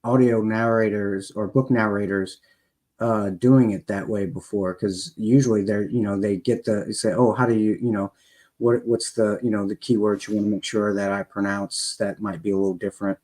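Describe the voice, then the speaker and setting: A man's voice: fairly low pitch, level tone, moderate pace, darkish tone. A man hosting a podcast, talking in a loose, rambling way. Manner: rambling, with many fillers and restarts. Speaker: podcast host. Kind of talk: casual podcast interview.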